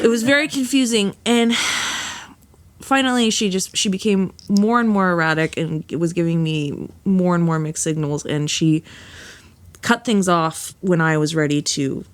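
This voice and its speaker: A young woman telling a candid personal story as a podcast guest, animated and laughing often, with lots of filler words. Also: on the low side, moderate pace.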